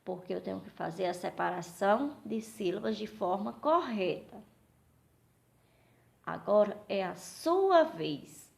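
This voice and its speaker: A woman teacher with a Brazilian accent gives a recorded lesson for young children, slowly asking questions and answering them herself. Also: mid-range voice, lively intonation, vocal fry. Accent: Brazilian Portuguese. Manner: slow, patient, asks questions and answers them.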